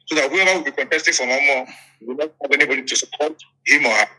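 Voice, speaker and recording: Talking fast in a mid-range voice that sounds pushed and bright, a Nigerian-accented politician recounts events during an interview. He speaks emphatically, repeats phrases and makes sure the listener keeps up, all over poor audio.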